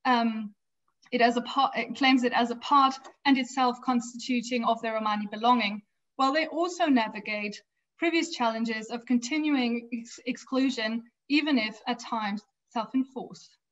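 A woman's voice: fairly high pitch, fairly bright tone. Woman lecturing over a dull video call. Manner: measured, reads prepared text with small restarts. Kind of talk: academic lecture read from slides.

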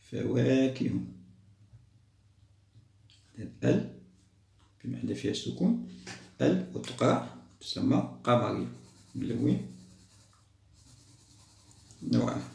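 A man teaching a lesson for young children, stretching out each model word slowly and then moving on quickly. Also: mid-range voice, big pitch swings, creaky, dark tone. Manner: slow, drawn-out model words, then quick asides. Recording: roomy echo.

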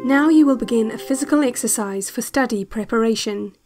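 An actress playing a calm, eerie instructor on a relaxation tape, speaking in a measured, soothing, detached way. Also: female voice, fairly high pitch, over music, lightly acted. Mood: calm, instructive. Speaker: narrator of instructional cassettes. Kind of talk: scripted guided relaxation narration.

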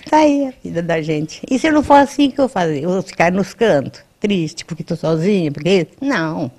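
A woman's voice: lowish voice, expressive, fairly quick, darkish tone. An 88-year-old Brazilian woman reminiscing casually in an interview at home, homely and colloquial, often adding tag questions, on a handheld microphone. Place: at home, by a house wall.

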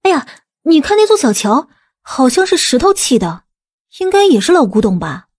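Excitable young city woman, acted by a woman, high, whiny, dry audiobook recording. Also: moderate pace, no room sound. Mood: pouty, excited.

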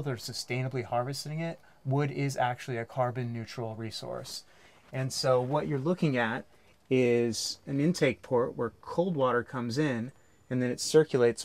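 A man in his forties from the United States, a farmer and craftsman, walks around his small farm, inside and out, explaining his handmade off-grid setup step by step. His medium-pitched voice is a little mellow, and his casual tour comes across as earnest and practical.

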